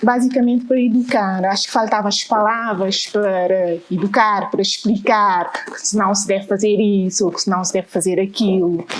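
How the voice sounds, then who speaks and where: Noticeable background noise runs under a woman's voice. She speaks at a moderate pace with a fairly high pitch and ordinary pitch variation. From Cape Verde, grew up between Praia, Santo Antão and Mindelo. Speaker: storyteller. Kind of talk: personal storytelling talk at a festival. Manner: halting, with frequent restarts.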